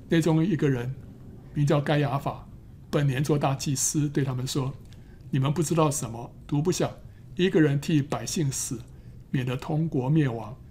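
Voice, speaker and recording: A man's voice: medium pitch, darkish tone, husky. A man teaching through a Bible passage in a conversational way, often tagging "ah" onto his phrases and slipping in English. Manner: conversational, trailing "ah" fillers, drops in English phrases.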